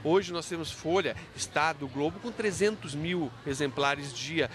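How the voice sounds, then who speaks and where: A man's voice: fairly high pitch, a little slow, slight background noise. A man explaining things in a spontaneous interview, didactic, posing rhetorical questions as he goes. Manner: didactic, with rhetorical questions and frequent self-checks. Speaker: university professor interviewed about his book.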